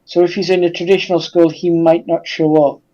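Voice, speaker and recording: A man's voice: a little high, level tone, fairly quick, mellow. A man speaking as a guest researcher in a casual, unscripted discussion, over dull call audio.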